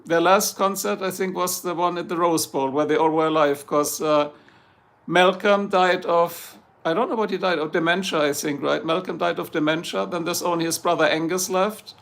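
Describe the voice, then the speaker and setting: A middle-aged man from Germany with a German accent, hosting a livestream in a joking, rambling chat with viewers, hoarse and losing his voice. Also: fairly high pitch, fairly even intonation, moderate pace, a bit bright. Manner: joking, chatty, reads out viewer comments. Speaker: livestream host.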